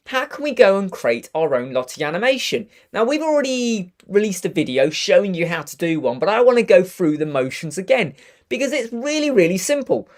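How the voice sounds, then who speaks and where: A man in his thirties with a croaky voice from a cold, chatting upbeat through a live web design tutorial. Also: sits high. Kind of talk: casual live tutorial chat. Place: home studio room with purple lighting.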